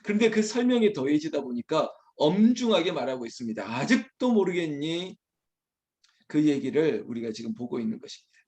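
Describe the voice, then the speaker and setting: Male pastor preaching, lots of up and down in his voice, emphatic, kinda high. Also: animated, quick pace, darkish tone. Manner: emphatic preaching, acting out prayers to God. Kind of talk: sermon. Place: prayer retreat center.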